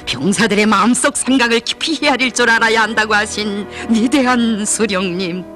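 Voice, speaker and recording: A man's voice: high-pitched, normal speed, pushed and bright. A man with a North Korean accent narrating a propaganda documentary in a solemn, reverent, emotive declamatory style. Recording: music behind the narration. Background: music.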